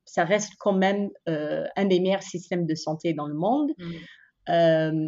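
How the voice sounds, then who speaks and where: Ordinary pitch variation at a very slow pace. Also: woman. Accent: English. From US South, Richmond, Virginia. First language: English (speaking French). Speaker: entrepreneur. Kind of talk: interview. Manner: hesitant.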